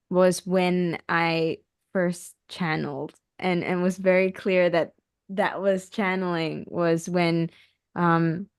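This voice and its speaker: A woman with a fairly low voice talks through a podcast chat, thoughtful and chatty. The sound is dry and close, with no room echo. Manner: thoughtful, chatty, many fillers. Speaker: podcast co-host, healer. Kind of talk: casual conversation.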